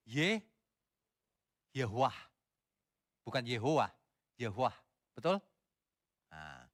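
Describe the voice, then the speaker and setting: A man's voice: on the high side, bright, forceful tone, dry recording, studio quality. A middle-aged man, a pastor, teaching a seminar on scripture in an emphatic, combative way and often asking the audience questions. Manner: scolding, combative about opponents.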